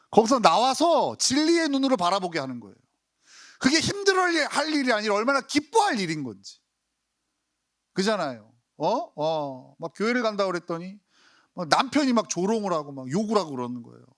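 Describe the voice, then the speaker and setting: A man's voice: sits high, fairly bright tone. A male pastor preaching a Sunday sermon in a chatty way, tossing rhetorical questions at the congregation. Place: church sanctuary.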